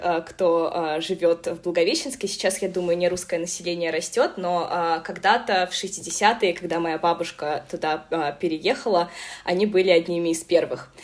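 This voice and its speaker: A woman of medium pitch at a moderate pace, with ordinary pitch variation and noticeable background noise. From Bashkortostan, Russia (Blagoveshchensk). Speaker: journalist and activist. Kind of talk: interview. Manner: hesitant, many filler sounds.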